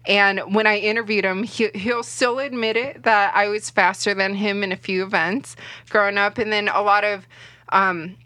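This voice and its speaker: A young woman whose first language is Cantonese, talking as an interview guest. Her voice is bright and forward, and the sound is close and dry. She rambles and leans on fillers as she goes. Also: mid-range voice, steady tone, normal speed, no room sound. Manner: chatty, rambling, heavy on fillers like "you know". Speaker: sports reporter, guest. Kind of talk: casual interview chat.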